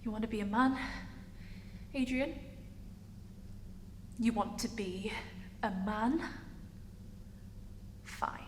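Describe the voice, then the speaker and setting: A woman playing a hurt, defiant young gay woman in a halting, emotional theatre monologue. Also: fairly high pitch. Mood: hurt, pleading. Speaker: acting student. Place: large reverberant indoor room. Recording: echoey hall with background noise.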